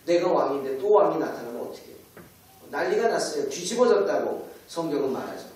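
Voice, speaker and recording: A man's voice: a little high, animated, fast talker, darkish tone. A man pastor preaching a sermon dramatically, often asking the congregation rhetorical questions. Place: church sanctuary. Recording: echoey church hall, mic far off.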